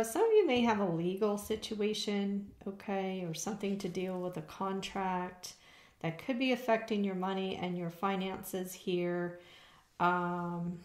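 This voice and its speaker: A woman giving a tarot card reading to her viewers in a casual way, often stopping to check in with "okay?". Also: medium pitch. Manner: conversational, frequent "okay?" check-ins. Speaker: tarot reader. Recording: echoey room.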